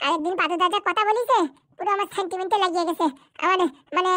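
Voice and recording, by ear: A woman puts on a cartoonish character voice at an extremely high pitch, keeping her intonation fairly even.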